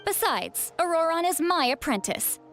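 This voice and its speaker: A woman's voice: very high-pitched, sing-song, moderate pace, a bit bright, soft background music, full character voice. A woman voicing a confident, playful female tribal elder and mentor in a video game. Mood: rueful.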